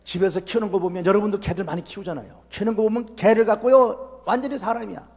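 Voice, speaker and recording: A man's voice: high-pitched, fairly even intonation, quick pace, darkish tone. A middle-aged man preaching a revival sermon in a church, folksy and emphatic, firing rhetorical questions at the congregation. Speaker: pastor. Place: church sanctuary. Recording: long hall reverb.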